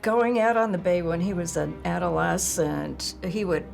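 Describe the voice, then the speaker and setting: A woman reflects haltingly in a documentary interview. Her voice is on the low side and extremely creaky, with music clearly playing behind her. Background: music bed.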